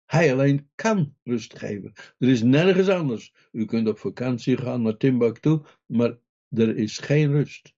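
A man's voice: mid-range voice, unhurried, dark tone, muffled recording. A man preaching a sermon earnestly, putting direct questions to his listeners.

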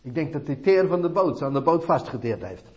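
Male preacher, slightly high voice, emphatic sermon delivery that swings between hushed and loud, questions aimed at the listener, dull recording. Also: expressive, fairly quick. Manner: questions the listener directly, dramatic swings in loudness.

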